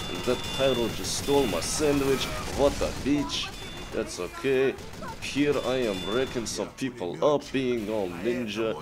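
With combat sounds from the game blaring in the background, a male commentator voices a bragging Russian heavy gunner, a vodka-loving "big sneaky ninja," in broken, heavily accented English. His voice is on the low side, close to his everyday register, and his boasting is mock-serious for comic effect.

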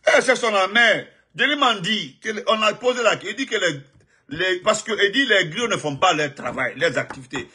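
A man delivering a heated, mocking political monologue, given to sudden high outbursts and laughter. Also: expressive, brisk, sharp tone, breathy edge. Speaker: political commentator. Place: United States.

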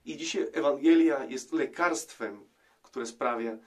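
A middle-aged man, a priest, giving a reflective gospel commentary to camera in a small room, pausing often with hesitation sounds. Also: mid-range voice. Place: small indoor room, plain wall.

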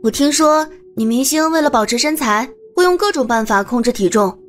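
Woman acting young policewoman, high voice, eager, chatty, audiobook drama, faint music. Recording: music under the voice.

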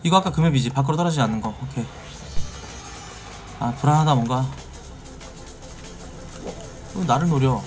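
A man streaming a game live, talking casually and yelling and swearing at it. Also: mid-range voice, normal speed, long pauses, soft background music. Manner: excitable, swears and yells at the game.

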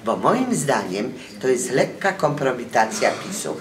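A woman's voice: extremely low pitch, sing-song, measured pace, noisy background. An older woman journalist giving an indignant statement to camera, asking rhetorical questions with frequent hesitations. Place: court building corridor, indoors. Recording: roomy corridor echo, voices from far off.

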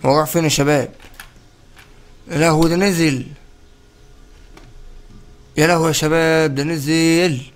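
A young man with an Egyptian accent giving excited, playful commentary while playing a game, teasing and laughing often. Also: fairly high pitch, moderate pace, long pauses. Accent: Egyptian Arabic. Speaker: gaming channel host.

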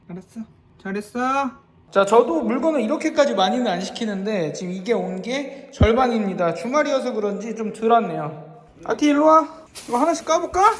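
A man talking playfully to a kitten at home in coaxing baby talk, in casual vlog style. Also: extremely high pitch. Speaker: vlogger, kitten owner. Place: home indoors. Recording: echoey room with faint noise.

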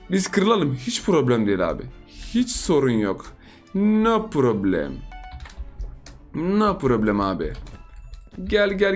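A man giving live gameplay commentary, excitable and playful, teasing his opponents and chanting repeated words in a sing-song way. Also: a little high. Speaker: gaming YouTuber.

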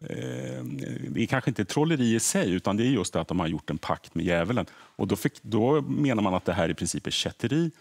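Husky low-voiced middle-aged man explaining. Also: sing-song, hardly any pauses, darkish tone. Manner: earnest, repeats words as he explains. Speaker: history podcaster guest. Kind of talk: explanatory studio interview. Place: TV morning show studio.

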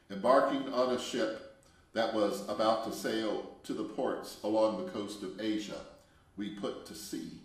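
A man leads liturgical prayer and reads scripture aloud in a slow, solemn, measured recitation. His voice sits on the low side. The recording is distant and heavily reverberant, as if the mic stood well across a very echoey room. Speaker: religious brother leading prayer.

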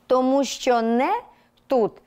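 A woman teaching a televised lesson to young children, telling a little story and dictating words slowly and clearly. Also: sits high. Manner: lively storytelling tone. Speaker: primary school teacher. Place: TV studio.

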